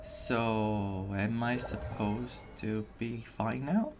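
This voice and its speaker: A man giving casual, animated, rambling reactions as he plays through a game. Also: fairly low pitch, drawn-out words. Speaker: gaming streamer. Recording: game music under the commentary. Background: game music.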